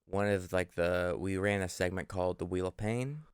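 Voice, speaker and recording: A man's voice: low voice, steady tone, moderate pace, clear, resonant tone, dry recording, studio quality. A young man co-hosting a casual podcast from his living room, telling stories in a rambling, self-correcting way. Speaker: podcast co-host.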